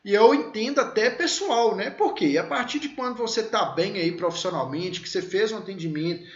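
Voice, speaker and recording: A man in his thirties gives a law class with a high, bouncy voice that rises and falls a lot. He tells stories casually, full of fillers, and checks in with his listeners. The sound is roomy and echoey, a little dull. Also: lively intonation, fairly quick. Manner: chatty, many fillers, asks listeners questions. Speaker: law lecturer. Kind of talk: teaching through personal stories.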